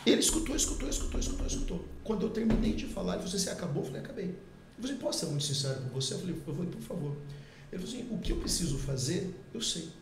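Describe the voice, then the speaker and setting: A middle-aged man, a podcast guest, telling a personal testimony in a lively way and acting out the dialogue. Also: sits high, very fast, background noise. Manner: lively, acts out quoted dialogue. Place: podcast studio. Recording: echoey room.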